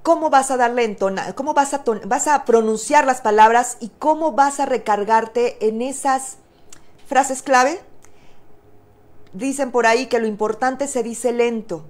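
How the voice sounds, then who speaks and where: A woman with a Mexican Spanish accent coaching an online audience on presence in front of the camera. Her voice sits a bit high, and she teaches in an emphatic, didactic way. She poses rhetorical questions and uses fillers as she explains. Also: unhurried. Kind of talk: webinar lesson.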